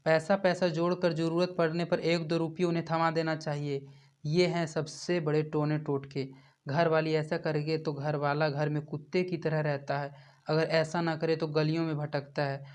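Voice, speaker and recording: A man reading as an old yogurt-selling woman, flat voice. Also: a little high, smooth, close to an everyday voice. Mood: advising. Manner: reads her words aloud in an even, unhurried teacher's voice. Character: old woman yogurt seller, grieving mother.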